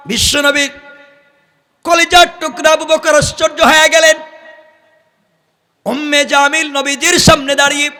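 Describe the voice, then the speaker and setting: A man preaches with a high-pitched, piercingly bright voice. He tells religious stories in a dramatic, exclamatory way, calling on listeners to respond. The delivery is that of an impassioned Islamic sermon. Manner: exclamatory, calls on listeners to respond and pay attention. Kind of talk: impassioned sermon with dramatic storytelling and melodic scripture recitation.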